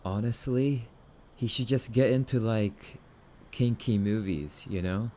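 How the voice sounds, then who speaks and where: Man acting a young catboy boyfriend, ASMR roleplay, slightly slow pace, defensive, affectionate, stammering, easily spooked, background noise. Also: fairly low pitch, dark tone, natural voice. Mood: teasing, reluctant.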